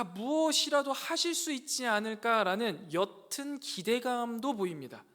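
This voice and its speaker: A man preaching a sermon to young adults, earnest and full of rhetorical questions, building louder on key points. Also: high-pitched. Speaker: pastor. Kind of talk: sermon to a youth congregation. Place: church sanctuary. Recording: church hall reverb.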